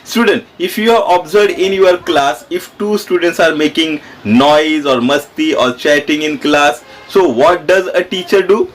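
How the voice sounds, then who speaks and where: A male schoolteacher with an Indian accent speaks in a fairly high voice. He explains his lesson to students directly, repeating key phrases and putting questions to them as he goes. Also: measured pace, hardly any pauses, soft background music. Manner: repetitive, asks questions and checks in with students. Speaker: school history teacher.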